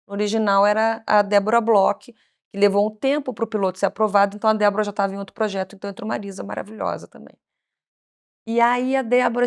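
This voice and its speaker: A woman guest on a talk show, telling stories from her career with some gravel in her voice. She acts out the people she quotes and keeps a casual, conversational tone. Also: mid-range voice. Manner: animated storyteller, acts out quoted dialogue. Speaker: guest, actress and singer. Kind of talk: casual interview chat.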